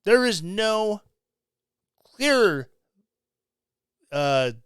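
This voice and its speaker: Middle-aged guy ranting on his podcast, sarcastic, smooth voice, dry close mic at home. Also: high voice, very animated, extremely slow, fairly bright tone, dry recording. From Missouri, USA. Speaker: podcast host. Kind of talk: opinion commentary. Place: small home room. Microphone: studio mic on stand, close.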